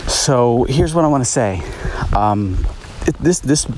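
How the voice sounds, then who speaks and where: A man's voice: medium pitch, expressive, unhurried, a little mellow, slight background noise, rough recording. Man talking into a phone, outdoors. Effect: recorded on a phone. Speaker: podcast host. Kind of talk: motivational talk. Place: outdoors at a park.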